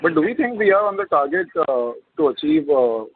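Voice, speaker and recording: A man calling in as an analyst, asking questions politely and hesitantly with a husky, rough-edged voice. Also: on the high side, animated, brisk. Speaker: securities analyst, caller. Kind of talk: asking questions on an earnings call. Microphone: phone. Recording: muffled, narrow phone line.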